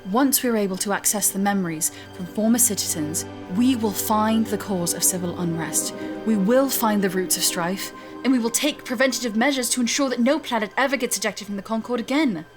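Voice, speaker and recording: A woman's voice: medium pitch, brisk, music in the background, lightly acted. A woman playing a driven, proud scientist in a sci-fi audio drama, speaking assertively and articulately. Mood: urgent, idealistic.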